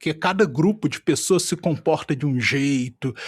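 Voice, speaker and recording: With lively intonation, a man speaks at a fairly high pitch in a very clean recording with a silent background. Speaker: tech content creator. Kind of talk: casual chat. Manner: slow.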